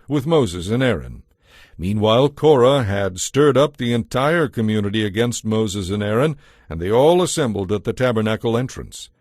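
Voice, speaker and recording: A man narrating scripture from a script as a storyteller, in a measured, solemn way. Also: on the low side, darkish tone, no echo, studio quality.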